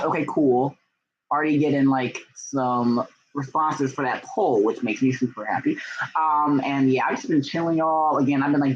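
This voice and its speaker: A young man chatting casually on a livestream as a book vlogger, gushing and excitable, with slangy phrasing full of "like" and "y'all". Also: mid-range voice, lo-fi sound, a little hiss or hum. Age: young adult.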